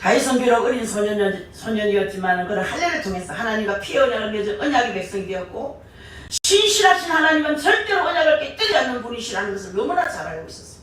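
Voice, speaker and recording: A woman preacher delivering an impassioned sermon, rising to shouts on key words, recorded from a distance in a church sanctuary. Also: on the high side, very animated, fast talker, a little hiss or hum. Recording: echoey church hall, far from mic.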